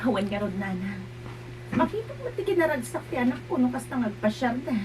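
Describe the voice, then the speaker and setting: A woman voicing a firm young mother who speaks in a fairly high voice and states her mind insistently. The voice sits well back from the microphone, and a loud steady hum runs underneath. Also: brisk. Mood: hurt. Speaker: mother in an audio drama. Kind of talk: amateur drama acting. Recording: distant mic with loud hum.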